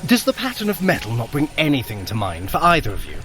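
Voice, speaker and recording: An actor playing a sly, clever trickster god in an audio drama, with a wry, theatrical, condescending manner. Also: male voice, fairly high pitch, huge pitch swings, quick pace, a bit bright, soft background music. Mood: wry, teasing.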